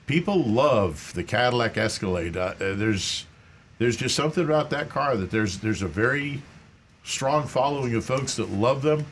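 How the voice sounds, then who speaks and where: Co-host: man, mid-pitched voice, relaxed explainer, studio with a faint hum behind him. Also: normal speed. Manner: easygoing explainer with repeated restarts. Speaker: car expert co-host. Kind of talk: radio call-in advice. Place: radio studio.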